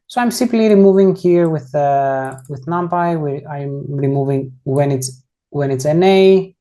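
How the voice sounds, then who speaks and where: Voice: mid-range voice, a little slow, dark tone. An instructor giving an online coding tutorial, talking casually and explaining each step while often rephrasing mid-sentence, on a computer mic during a video call. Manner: frequently rephrases and corrects itself mid-sentence.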